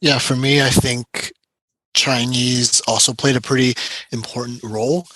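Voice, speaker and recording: A man in a casual podcast chat, talking in a relaxed, rambling way with frequent fillers. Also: mid-range voice, a little slow, no room sound, rough recording. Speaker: podcast co-host.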